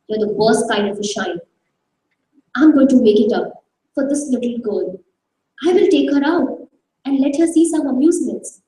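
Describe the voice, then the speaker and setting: A woman's voice: high-pitched, mellow, slight background noise. A woman reading as a remorseful young husband. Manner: earnest, self-reproaching. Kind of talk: dramatized reading to a live audience. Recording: echoey hall, from far off.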